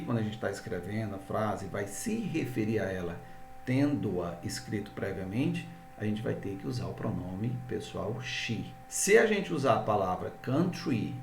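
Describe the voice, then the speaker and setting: A man with a Brazilian Portuguese accent teaches English grammar step by step, often checking in with his students. His voice sits on the low side and sounds gravelly, captured from a distance with noticeable reverb.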